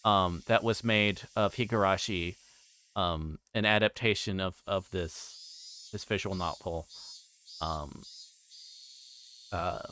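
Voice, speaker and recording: A man hosting a livestream, chatting casually in a halting, rambling way and often repeating words as he plays a game. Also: deep voice, sharp tone. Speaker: livestream host. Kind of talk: casual livestream chat while playing a visual novel.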